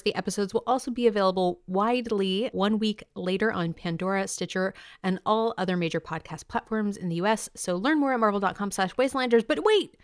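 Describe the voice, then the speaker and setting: Female podcast host, smooth clear voice, dry close sound, upbeat and chatty promo delivery. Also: mid-range voice, dry recording. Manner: chatty, enthusiastic, playful. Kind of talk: casual upbeat promotional chat.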